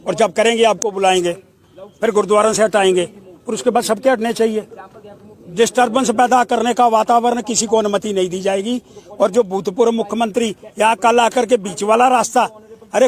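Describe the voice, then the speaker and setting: A man delivering an impassioned protest address in a forceful, demanding, declamatory way. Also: very high-pitched. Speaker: protest speaker.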